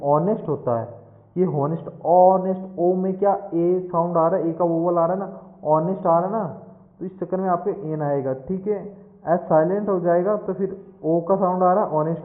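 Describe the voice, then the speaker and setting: A man, explaining exam answers as a coaching teacher, patient and repeating each answer. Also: fairly high pitch. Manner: patient, repeats answers, addresses listener directly. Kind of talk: explaining mock test answers. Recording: echoey, tinny phone-quality audio.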